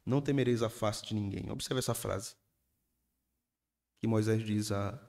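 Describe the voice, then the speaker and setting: A man preaching a sermon as pastor, telling stories in an animated way and acting out members of his congregation. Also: lowish voice, unhurried. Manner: animated storytelling, acts out congregants.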